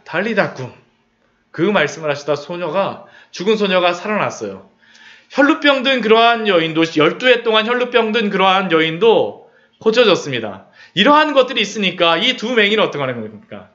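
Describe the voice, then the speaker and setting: Lively high-voiced preaching man. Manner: animated, asks rhetorical questions; acts out quoted cries. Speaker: pastor. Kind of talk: sermon. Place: church. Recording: dull lo-fi sermon recording.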